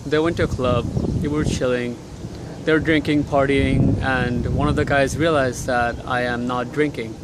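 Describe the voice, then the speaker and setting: A man's voice: medium pitch, fairly even intonation, normal speed, heavy background noise. A young man from Bangladesh vlogging outdoors on a cold day, talking bluntly and swearing freely as he gives motivational advice. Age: young adult. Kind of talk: casual motivational vlog. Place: outdoors in cold city air.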